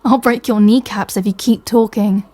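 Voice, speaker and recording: A woman's voice: mid-range voice, fairly even intonation, moderate pace, dark tone, lightly acted. A woman playing an irritated, stubborn, proud female superhero in a comedic audio drama, answering with dry, sarcastic exasperation. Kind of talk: comedic audio roleplay acting.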